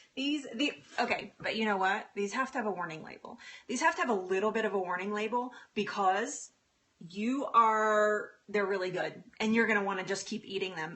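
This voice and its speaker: A woman with an American accent speaks at a moderate pace and fairly high pitch. Her tone is animated, and her pitch varies in an ordinary way. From Texas. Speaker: cooking show host. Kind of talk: live cooking tutorial. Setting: home kitchen, live stream. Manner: chatty, animated.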